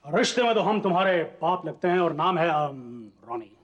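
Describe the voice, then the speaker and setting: A man's voice: on the high side, expressive, normal speed, lo-fi sound. An actor in a TV serial playing a doting, teasing father with a wistful side. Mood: playful, teasing. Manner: teasing, theatrical, mock-formal with the child. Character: playful, doting father of a young child, secretly wistful. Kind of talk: Hindi TV serial drama acting.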